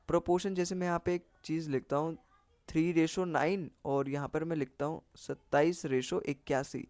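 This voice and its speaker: Brisk, higher-voiced male maths teacher. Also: a little mellow, no room sound. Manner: explains step by step, often checking in with the listener. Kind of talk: exam-prep maths lesson.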